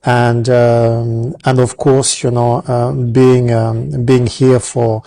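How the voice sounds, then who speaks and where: A middle-aged man with a French accent, talking as an interview guest, pausing often with many fillers and restarts. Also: mid-range voice, level tone, vocal fry, mellow, dry recording. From France. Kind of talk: casual interview.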